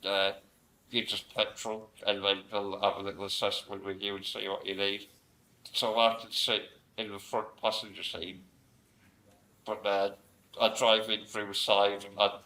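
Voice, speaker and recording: A young man speaking on a panel, answering audience questions in a relaxed, joking way. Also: on the low side, moderate pace, poor audio. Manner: joking, self-mocking, relaxed. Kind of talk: casual Q&A answers. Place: meeting room with an audience.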